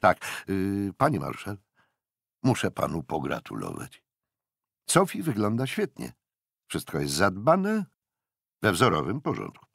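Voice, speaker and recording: A polite naval captain, voiced by a male audiobook reader speaks with formal courtesy. His voice is deep and husky, with an official tone, recorded very dry. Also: wildly swooping pitch, a little slow, long pauses, no room sound, heavily acted. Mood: formal, approving. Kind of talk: acted dialogue in an audiobook.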